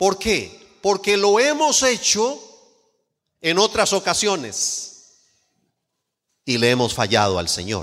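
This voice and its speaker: Long, frequent pauses break up a man's very slow speech. His pitch is high, with very wide swings. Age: 50s. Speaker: pastor. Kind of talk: sermon.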